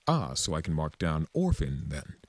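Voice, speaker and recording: A man's voice: rumbling low, wildly swooping pitch, normal speed, no echo, exaggerated voice. Man playing an officious pegasus clerk. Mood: firm, officious. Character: officious, hesitant male pegasus clerk doing paperwork.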